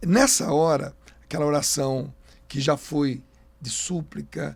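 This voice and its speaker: A man speaks with a fairly high, somewhat breathy voice. His pace is fairly slow. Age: 60s. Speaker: preacher and missionary singer. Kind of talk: podcast interview on faith.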